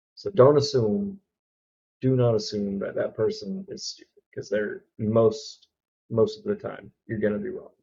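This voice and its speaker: A man with a strong Southern US accent, at a fairly slow pace. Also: big swings in loudness. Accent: thick Southern. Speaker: reaction video creator. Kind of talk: casual commentary. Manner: halting, many fillers.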